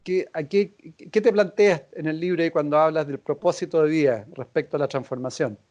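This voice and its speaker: A man hosting a reflective conversation, calm and affirming, with small hesitations as he builds on his guest's points. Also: on the high side, a little fast. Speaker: host.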